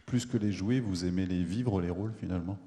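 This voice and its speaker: Male interviewer, fast, dark low voice, far off in a hall. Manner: quick, prompting questions. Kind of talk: interview questions. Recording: distant reverberant hall.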